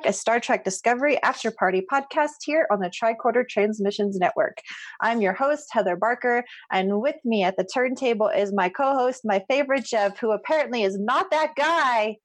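A woman's voice: on the high side, expressive, normal speed, dry recording. A woman hosting a podcast, opening the show and introducing guests in an upbeat, enthusiastic way. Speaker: podcast host. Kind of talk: casual podcast chat.

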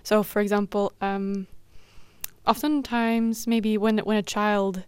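A young woman from Belgium, Dutch her first language, talks casually in a dry, close studio sound. She explains at length, with many fillers and restarts. Her voice sits in a middle pitch. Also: flat delivery, slow, a little mellow, clear, resonant tone, dry recording. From Belgium, Limburg in Flanders. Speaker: radio show host and guest. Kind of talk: casual radio chat. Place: student radio studio.

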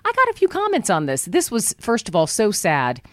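A woman hosting a talk radio show from a studio, chatting in a folksy, upbeat way, her voice worn low after travel. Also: wildly swooping pitch, moderate pace, a bit bright, no echo. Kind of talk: talk radio monologue with live ad reads. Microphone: studio microphone.

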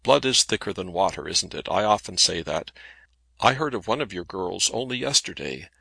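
A man's voice: low voice, expressive, moderate pace, gravelly, pushed and bright, slightly rough, no room sound, exaggerated voice. A man reading aloud gives voice to a cheery, talkative middle-aged male solicitor who speaks in a hearty, bluff way.

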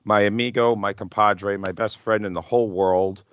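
Deep-voiced man, jokey podcast host. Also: steady tone, moderate pace, muffled recording. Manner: jokey, hyperbolic, sweary. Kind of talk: casual wrestling chat podcast.

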